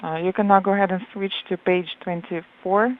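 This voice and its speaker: A woman's voice: mid-range voice, steady tone, brisk, slight background noise. A woman giving a live translation voice-over as interpreter, hesitant and full of filler sounds as she renders controllers' words. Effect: live translation voice-over on an audio loop. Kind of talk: simultaneous interpretation of flight control talk. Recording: narrow phone-like radio loop.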